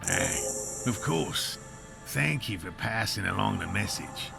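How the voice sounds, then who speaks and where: A patient, diligent middle-aged cryptid hunter in a video game, with a low, heavily gravelly voice. He talks in a dry, slightly sarcastic way, over game music. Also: lively intonation, slow, heavily acted.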